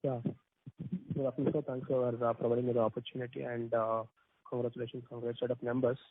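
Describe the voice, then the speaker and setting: An analyst puts deferential questions on a conference call and fills his pauses often. His voice is husky and mid-pitched. The phone line sounds thin and narrow. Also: level tone, no echo. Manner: polite and deferential, with many fillers. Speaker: financial analyst asking questions.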